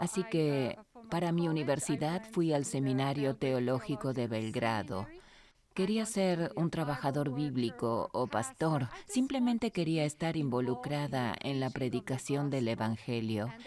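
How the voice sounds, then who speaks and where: A woman speaks at a fairly slow pace with a very deep, low pitch and very wide pitch swings. Her loudness stays very even. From France, teens in Serbia. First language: French or Serbian (speaking Spanish). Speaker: theology professor. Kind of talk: interview.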